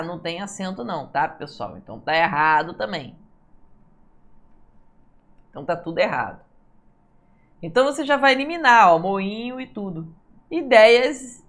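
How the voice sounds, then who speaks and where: Going through answers in an online class, a lively Brazilian woman with a mid-range voice prepares students for Portuguese civil service exams. She checks in often with "tá, pessoal?" and draws out words slowly whenever she highlights a rule.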